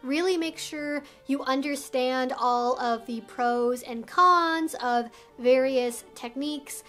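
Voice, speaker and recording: A woman's voice: high voice, slow, fairly bright tone, faint music behind. A woman hosting an instructional video, explaining things to viewers in an articulate, emphatic way. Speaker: video host and educator. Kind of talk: instructional talk to viewers, semi-scripted.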